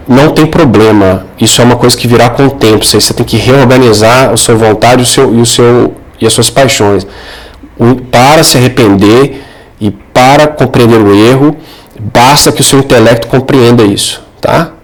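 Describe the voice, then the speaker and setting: A man giving earnest, direct spiritual advice to the listener, his voice recorded through an overloaded, clipping microphone. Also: mid-range voice. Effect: clipping, distorted overloaded mic. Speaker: Catholic advice speaker. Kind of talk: informal spiritual advice talk.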